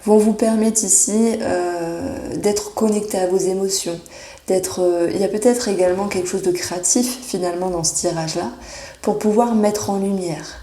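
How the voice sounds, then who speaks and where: A woman giving a monthly horoscope tarot reading, reassuring and often pausing with fillers as she searches for words. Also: mid-range voice, steady tone, dark tone. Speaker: tarot reader. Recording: echoey room.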